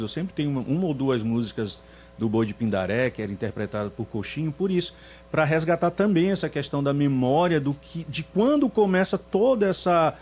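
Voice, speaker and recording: A man's voice: a little high, darkish tone, a little hiss or hum. Reflective man from being interviewed. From São Luís, Maranhão, Brazil. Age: around 50. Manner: reflective, hesitant, many restarts. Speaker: singer guest. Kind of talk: radio interview.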